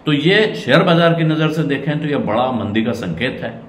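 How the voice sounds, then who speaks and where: A middle-aged man, a senior journalist, giving measured market commentary to camera from a room at home. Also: expressive, a bit bright. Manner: measured explanatory delivery, dropping low at cautions. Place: indoor room with curtains. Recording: roomy echo, faint noise.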